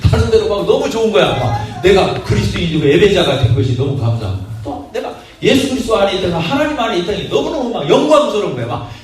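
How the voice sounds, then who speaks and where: A man, a pastor, preaching a sermon with animated delivery and rhetorical questions to the congregation. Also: sits high, fast talker, few pauses. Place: church sanctuary. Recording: echoey church hall from far off.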